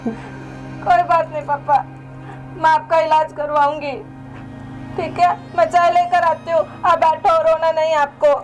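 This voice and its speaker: A woman's voice: very high-pitched, level tone, a little slow, pauses often, soft background music, low-quality recording. A woman playing a daughter-in-law in a family skit, in a tearful, pleading way. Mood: caring. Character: remorseful young daughter-in-law. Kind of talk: low-budget comedy skit acting.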